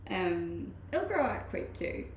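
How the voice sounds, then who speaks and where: A Danish woman in her twenties chats casually on a live stream, reading viewer comments, laughing often and restarting sentences. Her lowish, slightly mellow voice is very animated and slow-paced. She's recorded from a distance, off-mic, with roomy echo and faint noise.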